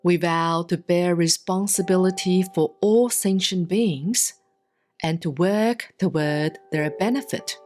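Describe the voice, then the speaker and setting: A woman reads Buddhist scripture as a monastic, in a solemn, measured and deliberate scripted style with pauses between phrases. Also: lowish voice. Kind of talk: solemn scripted sutra recitation, audiobook-like reading. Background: soft plucked guitar-like music.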